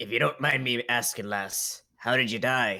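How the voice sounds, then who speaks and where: The speaker puts on a raspy character voice. Intonation stays fairly even at a moderate pace. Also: man. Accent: Scottish. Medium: actual play. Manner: gallant, courtly.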